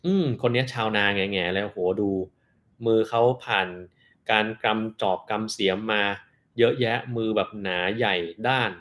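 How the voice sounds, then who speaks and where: A man hosting a casual live Q&A, reading out viewers' questions and answering them in a relaxed way, thinking aloud with fillers. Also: on the low side, normal speed.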